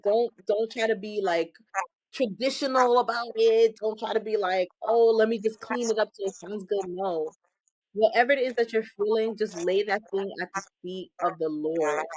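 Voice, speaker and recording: A woman guest giving an animated, emphatic faith testimony, exhorting listeners and laughing often. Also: mid-range voice, no echo, low-quality recording. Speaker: podcast guest. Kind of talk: casual testimony-style faith talk.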